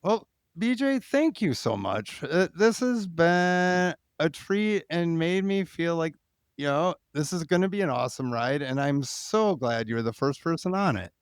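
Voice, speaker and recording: A man's voice: a little high, animated, measured pace, clear, resonant tone, no echo, studio quality. A man in his forties hosting a podcast in a casual, informal, conversational style. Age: 40s. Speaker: podcast host.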